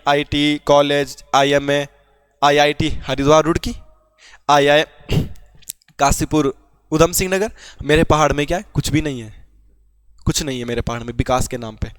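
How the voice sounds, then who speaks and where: A man's voice: on the high side, dry recording. A young man from Garhwal teaching an informal exam-prep lesson, chatty, asking and answering his own questions. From Uttarakhand, Garhwal.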